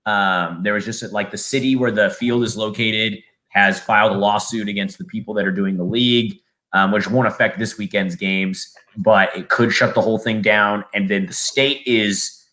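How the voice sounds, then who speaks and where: Low, bright-voiced young man chatting. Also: fairly even intonation, normal speed, low-quality recording. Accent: Southern California. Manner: rambling, full of fillers and restarts. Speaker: football play-by-play announcer and podcast guest. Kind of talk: casual podcast chat.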